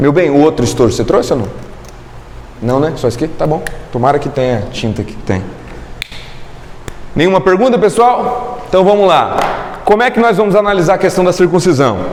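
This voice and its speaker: A man with a high pitch and very wide pitch swings talks at a fairly quick pace, with long, frequent pauses. Noticeable background noise and audible room echo surround him. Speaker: Bible teacher. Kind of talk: lecture. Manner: fast.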